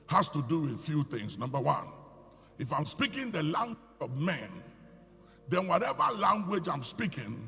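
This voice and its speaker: A male preacher delivers an emphatic sermon in a gravelly, bright voice that sits a little high. His words ring out in a big hall with a long reverb.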